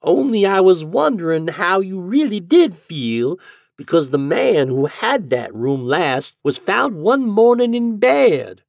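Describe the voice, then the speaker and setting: A man voicing a sly, cool old landlady who speaks in a slow, high drawl. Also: sing-song, vocal fry, no echo, clean studio sound, heavily acted.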